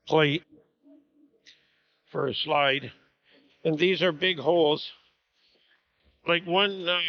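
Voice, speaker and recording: A farmer talking quietly and unhurriedly on camera while walking through a large, empty metal grain bin, his voice echoing off the walls. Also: fairly high pitch, muffled recording. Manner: talks quietly and unhurriedly, with fillers. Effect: echoey voice inside a large metal grain bin. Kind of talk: casual video walkthrough.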